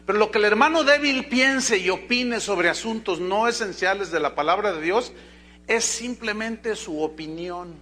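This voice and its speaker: High bright-voiced Mexican pastor preaching. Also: male voice, moderate pace. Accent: Mexican Spanish. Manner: conversational preaching, acts out quoted dialogue, asks the congregation questions. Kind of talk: sermon. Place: church.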